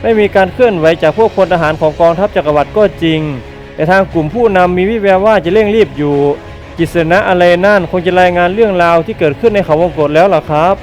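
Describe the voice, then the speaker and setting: A steady, loyal ogre general, read by a man, polite and measured, his voice pitched higher than most men's. Quiet music hums faintly in the background. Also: lightly acted. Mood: respectful. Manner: polite, respectful replies. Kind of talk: web novel read aloud.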